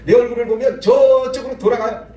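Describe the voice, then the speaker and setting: High-voiced Korean pastor in an echoey sanctuary. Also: male voice, fairly even intonation, fairly quick, dark tone, highs cut off. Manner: folksy storytelling, acts out dialogue, repeats phrases. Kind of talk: sermon with storytelling. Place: church sanctuary. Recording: echoey hall from far off, faint noise.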